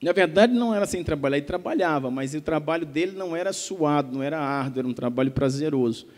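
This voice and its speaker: A man with a Brazilian Portuguese accent preaching a sermon as pastor, emphatic and swinging between soft and loud. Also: fairly high pitch, expressive, fast. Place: church. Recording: reverberant church hall with soft music.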